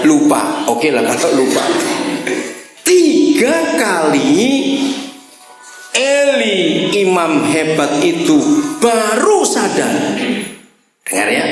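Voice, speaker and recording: Animated preacher in an echoey hall. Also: male voice, fairly high pitch. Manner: animated, asks the congregation questions, acts out voices. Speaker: pastor. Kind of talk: lively sermon. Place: large church hall with congregation.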